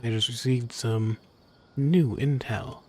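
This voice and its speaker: A man's voice: mid-range voice, fairly even intonation, slow pace, dark tone, a little hiss or hum. A man playing a video game, reading the dialogue choices aloud. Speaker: game player.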